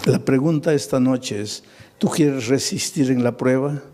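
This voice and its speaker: Dark-voiced man preaching a sermon. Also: medium pitch, unhurried, a little hiss or hum. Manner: dramatic storytelling, acting out biblical dialogue; asks the audience rhetorical questions.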